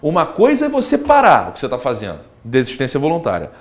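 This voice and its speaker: Male law teacher, Brazilian accent, very animated pitch, addresses the student directly. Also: fast talker. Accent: Brazilian Portuguese. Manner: animated, talks straight to the student, acts out examples. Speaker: law exam prep teacher. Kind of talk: recorded video lecture.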